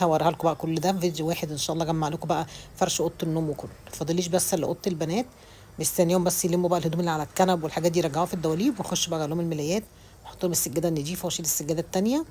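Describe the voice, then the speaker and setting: A woman's voice: deep voice, mellow, slight background noise. A woman in her thirties with an Egyptian accent, chatting casually about cleaning her home in a rambling voice-over full of restarts. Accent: Egyptian Arabic. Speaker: home vlogger.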